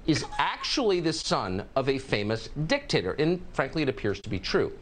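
A man's voice: medium pitch, very animated, normal speed. A male TV panel show host running a comedic segment in a playful, teasing quiz style.

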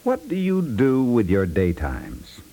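Animated American male radio announcer. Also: mid-range voice, slow pace. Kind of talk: 1950s radio announcing, scripted promo. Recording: vintage 1950s radio recording.

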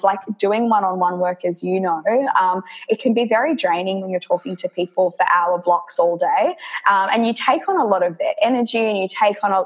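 A young Indonesian woman who works as a health coach speaks in a mid-range voice during a casual interview. Her talk is peppered with lots of ums and "you know."

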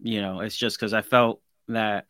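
Bright-voiced reflective man in his forties. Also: on the low side, steady tone, moderate pace, dry recording, clean studio sound. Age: 40s. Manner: earnest, reflective, restarts often. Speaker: guest craftsman. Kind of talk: casual interview chat.

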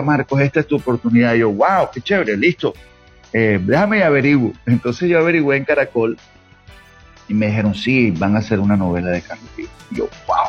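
A Colombian man with a husky voice tells his story as an interview guest, pausing with fillers as he goes. His voice comes through a dull, lo-fi line with faint music behind. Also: mid-range voice.

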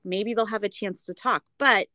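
A middle-aged woman chats casually as a reality TV podcast co-host. She is playful and expressive. The sound is dry, free of room echo. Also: medium pitch, moderate pace. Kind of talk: casual reality TV recap chat.

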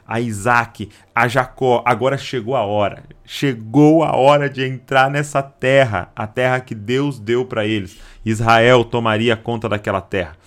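A man's voice: on the high side, a bit bright. A man with a Brazilian Portuguese accent preaching a sermon, emphatic, repeating key lines and acting out the people in his stories. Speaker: pastor.

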